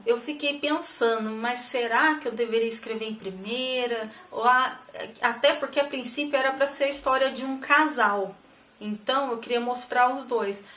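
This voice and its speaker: A chatty woman explains writing in a relaxed, thinking-aloud way, full of little fillers. Her voice sits somewhat high. She sounds set back from the mic in an echoey room. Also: distant mic. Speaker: writer giving writing tips. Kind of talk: casual explanatory vlog.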